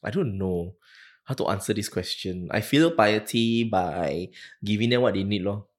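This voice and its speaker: A man's voice: lowish voice, expressive, normal speed. A Singaporean man on a panel, answering in blunt, offhand, casual Singlish.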